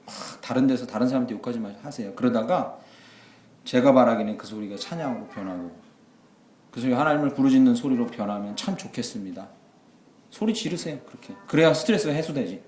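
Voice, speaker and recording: Male pastor, mid pitch, animated sermon delivery, roomy echoing sanctuary. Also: fast talker. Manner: animated, swings from quiet asides to loud exclamations. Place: church sanctuary. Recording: echoey church hall.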